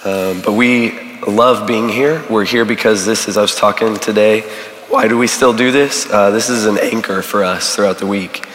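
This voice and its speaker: A man's voice: on the low side, steady tone, a bit bright, slight background noise. Man teaching, losing his voice. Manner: casual, halting, many fillers. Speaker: church volunteer teaching a recovery group. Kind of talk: church teaching talk. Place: large church hall. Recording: echoey hall with long reverb.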